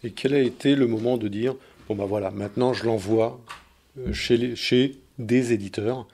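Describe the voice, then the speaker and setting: A man hosting a local radio show, opening with a formal scripted introduction and measured questions. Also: medium pitch, fairly even intonation, darkish tone, a little hiss or hum. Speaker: radio host.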